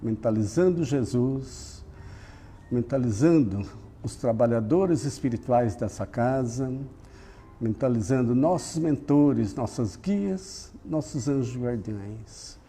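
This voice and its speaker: A man with a Brazilian accent leading a slow guided opening prayer in a soothing, solemn manner. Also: medium pitch, animated, mellow, slight background noise. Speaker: prayer leader at a spiritist center.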